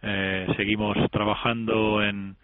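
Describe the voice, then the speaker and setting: A man's voice: lowish voice, flat delivery, slow pace. A man calling in by telephone as a guest on a radio show, speaking hesitantly with many fillers and restarts. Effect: heard over a telephone line. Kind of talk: casual phone interview. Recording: narrow tinny phone line, dry.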